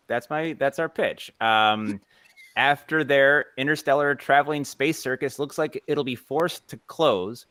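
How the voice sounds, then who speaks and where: A man giving an informal panel presentation, halting and often rephrasing as he thinks aloud. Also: mid-range voice, fairly bright tone, no room sound. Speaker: panelist and podcast creator.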